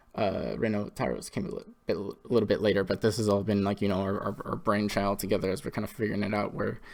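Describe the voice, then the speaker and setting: Talking at a very fast pace with hardly any pauses, a man uses a fairly low pitch marked by vocal fry. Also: ordinary pitch variation. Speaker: presenter of a religious community. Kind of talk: online presentation. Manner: halting with many repetitions.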